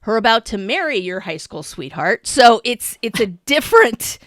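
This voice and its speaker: A woman in her fifties co-hosting a podcast, talking casually in an animated, slangy way with frequent laughter. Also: fairly high pitch, normal speed, dry recording. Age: 50s. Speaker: podcast co-host. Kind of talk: casual chat.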